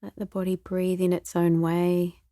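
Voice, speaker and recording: A woman leads a guided meditation in a low, mellow voice. She speaks very slowly and gently, with a soft, soothing delivery that sometimes turns breathy. The sound is close and dry. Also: monotone, no room sound. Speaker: meditation teacher.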